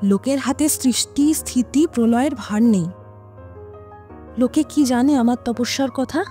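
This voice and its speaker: Actress as a high-voiced, insistent lover. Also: female voice, a little slow, mellow, lightly acted. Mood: breezily determined. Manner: insistent, dismissive, pressing. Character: impatient, determined woman pressing her lover to marry. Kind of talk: Bengali audio drama dialogue. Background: dramatic music.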